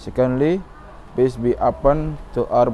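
Over music in the background, a man speaks fairly slowly in an Indonesian accent with fairly even intonation. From East Java, Indonesia. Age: 20s. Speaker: student. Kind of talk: scripted class speech read aloud. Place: street. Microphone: phone near.

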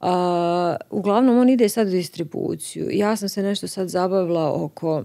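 Against a quiet background, a woman with a dark, mellow tone speaks at a moderate pace. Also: ordinary pitch variation, hardly any pauses. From Bosnia and Herzegovina. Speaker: film director and activist; podcast guest. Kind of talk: interview. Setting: studio. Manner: halting, many repetitions. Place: studio. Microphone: studio mic.

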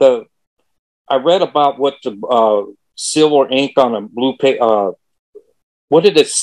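Speaking in a Southern US accent at a fairly slow pace, a man uses ordinary pitch variation and long, frequent pauses over a quiet background. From US South. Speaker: music fan panelist; podcast guest. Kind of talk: casual chat. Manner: halting. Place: home room. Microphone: video call.

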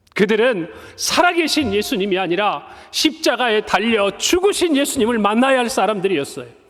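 Over noticeable background noise, a man talks at an extremely high pitch, his voice swinging very widely up and down. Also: moderate pace. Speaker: pastor. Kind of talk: sermon.

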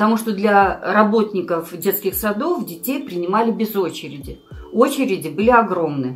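Faint music plays in the background as a woman speaks with a warm tone and lively intonation at a moderate pace. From Latvia. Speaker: YouTuber. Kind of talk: vlog. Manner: warm and chatty. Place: home room. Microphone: webcam.

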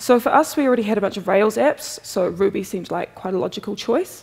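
A woman with a New Zealand accent at a very fast pace. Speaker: software developer. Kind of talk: conference talk. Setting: stage with audience. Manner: fast talker. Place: hall. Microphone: podium.

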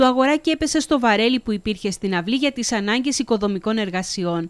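A woman with a normal speaking voice and fairly high pitch talks at a moderate pace with lively intonation, in a dry, close sound with no echo. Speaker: news reporter. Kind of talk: news report narration.

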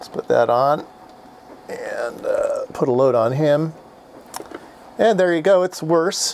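Light background noise behind a male speaker. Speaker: electronics hobbyist host. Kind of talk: tutorial. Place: workshop.

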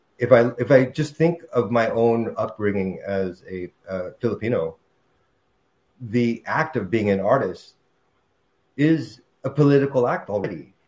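Somewhat breathy, a man with an American accent talks at a fairly slow pace with long, frequent pauses and ordinary pitch variation. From Texas. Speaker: panel artist. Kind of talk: panel discussion. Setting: video call. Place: home room. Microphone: video call.

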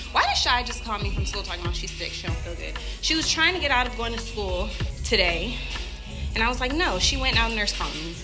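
A woman speaks at a very fast pace. Clear music plays in the background. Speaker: vlogger. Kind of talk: casual vlog chat. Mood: playful, joking. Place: bathroom. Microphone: phone near.

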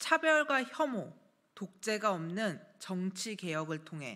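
Over a quiet background, a bright, sharp tone moves through very wide pitch swings at a very slow pace. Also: woman. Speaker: party spokesperson. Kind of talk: press briefing. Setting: press briefing room. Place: hall.

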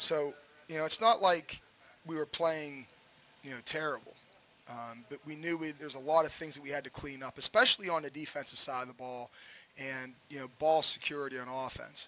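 This man's voice sits at a fairly high pitch. His pitch varies in an ordinary way. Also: fairly quick pace, big swings in loudness. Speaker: high school football coach. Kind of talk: post-game interview. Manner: halting, heavy filler words.

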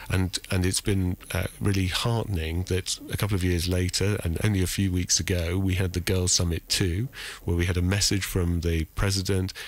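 A man with a British accent talks at a fairly quick pace in a very deep, low pitch. His intonation is monotone and flat, his loudness very even, and the sound dry with no echo. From UK. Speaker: diplomat; interview guest. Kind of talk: interview. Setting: radio studio. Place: studio.

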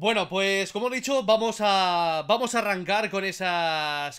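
This man's raised, projected voice sits at a high pitch with a bright, sharp tone and ordinary pitch variation. The background is quiet. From Spain. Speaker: gaming YouTuber interviewer; interviewer host. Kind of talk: interview.

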